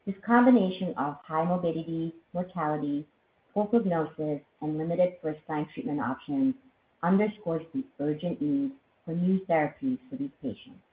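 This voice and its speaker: A woman executive giving a formal, measured scripted presentation on a corporate earnings call. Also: low voice. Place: conference call line. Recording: thin phone-like line, roomy echo, faint noise.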